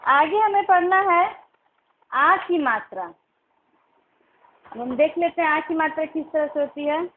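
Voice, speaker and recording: A woman teaching young children, slowly and patiently sounding out syllables and simple words. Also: sits high, slight background noise. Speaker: primary school teacher. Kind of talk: recorded online class lesson. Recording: tinny phone-like recording.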